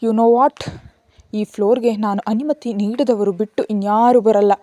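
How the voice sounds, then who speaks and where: A guarded, commanding young father, as a woman storyteller reads him. The voice is curt and bossy, low in tone with a mellow, dark colour. It sounds dry and close, as in a storybook reading. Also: fairly even intonation, measured pace, dry recording, natural voice. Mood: stern.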